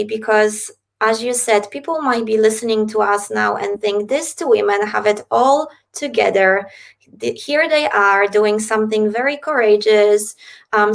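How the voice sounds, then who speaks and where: Gravelly-voiced woman from Poland. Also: a little high. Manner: earnest, reflective. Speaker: podcast guest. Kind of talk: interview storytelling.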